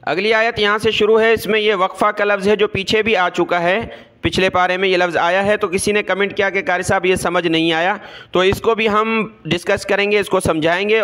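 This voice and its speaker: A man teaching Quran recitation letter by letter, drawing out each sound slowly and then explaining quickly, with a South Asian Urdu accent. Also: high voice, a bit bright. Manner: slow drawn-out recitation, quick explanations between.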